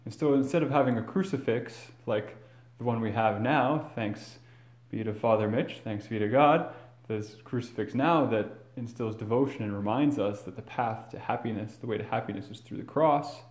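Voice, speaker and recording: A man speaking as a priest at Mass, in a measured, earnest way, his voice echoing through a church. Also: mid-range voice, darkish tone. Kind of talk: Gospel reading and homily. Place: inside a church. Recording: echoey church acoustics.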